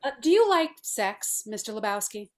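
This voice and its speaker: A woman playing a brisk, haughty feminist artist in a script read, speaking in a formal, clinical, matter-of-fact way. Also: mid-range voice, big pitch swings, a little mellow, lightly acted. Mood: businesslike, blunt. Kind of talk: table read of a film script.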